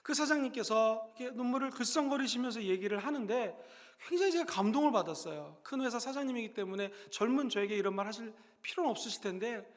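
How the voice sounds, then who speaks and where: A young man with a Gyeongsang Korean accent, preaching a sermon as pastor, emphatic and at times rising to loud exhortation. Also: extremely high pitch, lively intonation, fast, in a large hall. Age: young adult.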